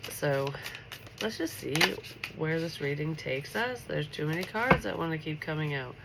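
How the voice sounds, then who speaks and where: A congested woman talks through a late-night tarot reading in a chatty, upbeat way, her voice sitting in a gravelly fry. Steady noise hums under the recording, and cards shuffle now and then. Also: deep voice, moderate pace. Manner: chatty and upbeat, full of filler words. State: stuffy, congested nose. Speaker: tarot reader.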